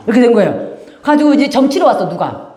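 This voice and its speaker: A woman's voice: fairly high pitch, sing-song, quick pace, warm tone, roomy sound. A woman teaching children in a church service, telling a story with lots of questions to the kids. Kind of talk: children's sermon. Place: church room.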